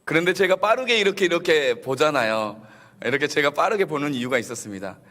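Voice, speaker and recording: A male pastor preaching a Sunday sermon in an animated way, acting out the quotes he tells. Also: fairly high pitch, quick pace. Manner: animated, acts out quotes with shifting voices. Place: church sanctuary. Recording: long church reverb.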